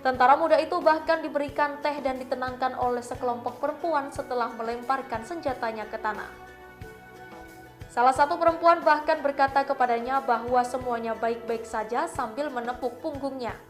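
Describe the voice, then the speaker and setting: Casting: Indonesian woman, high voice, for scripted news narration over light background music. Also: fairly even intonation, a little fast. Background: faint background music.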